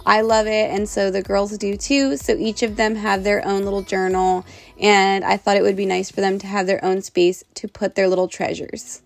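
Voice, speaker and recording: A young woman and mother giving a relaxed, chatty vlog narration while showing things around her small home. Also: medium pitch, normal speed, gravelly. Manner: chatty, relaxed, explaining as she shows things. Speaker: vlogger, mother of three girls. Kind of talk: casual organizing vlog narration.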